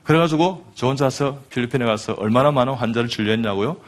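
A man in his fifties gives a preacherly testimony in a broadcast studio with an audience. He speaks with fervent emphasis, turning again and again to the listeners. His voice sits at an ordinary middle pitch for a man. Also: fast. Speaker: doctor giving a Christian testimony.

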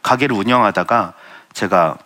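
A man's voice: on the low side, normal speed, sharp tone. A young man giving an earnest, self-deprecating Christian testimony and answering audience questions. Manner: earnest, self-deprecating storytelling with light laughs. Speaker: Christian speaker sharing testimony.

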